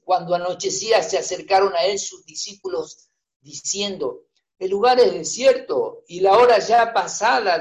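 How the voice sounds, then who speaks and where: Man, preacher, Bible reading with commentary, unhurried delivery, hesitant fillers. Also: high voice, muffled recording. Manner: reads scripture aloud, adds joking asides and hesitant fillers.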